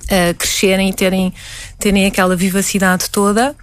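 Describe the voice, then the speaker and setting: A woman's voice: mid-range voice, little pitch movement, normal speed. A woman from Portugal with a European Portuguese accent, a painter answering interview questions reflectively, often restarting her words.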